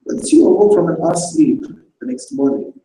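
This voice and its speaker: A man narrates a short story with measured, careful delivery and a high, very dark, mellow tone. He is heard from far off on a festival stage, in a hall with heavy echo and faint background noise. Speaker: reader in a staged reading. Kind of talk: dramatized story reading.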